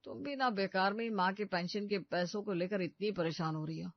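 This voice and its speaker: A calm, joking young husband from an animated story, voiced by a woman. He talks relaxed and soothing, a little lower. Dry, dull sound. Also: brisk, no echo, lightly acted.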